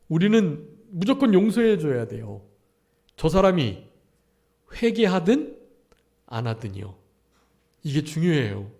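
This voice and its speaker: A man's voice: high voice, a little mellow. A male pastor preaching a Sunday afternoon sermon at a church service, often asking the congregation rhetorical questions.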